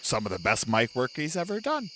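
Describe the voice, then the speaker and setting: A man with a raspy voice streaming a co-op farming game, chatting loosely and drifting into pop-culture tangents. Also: mid-range voice, a little fast. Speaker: co-op gaming streamer. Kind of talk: casual gameplay banter. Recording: steady background noise.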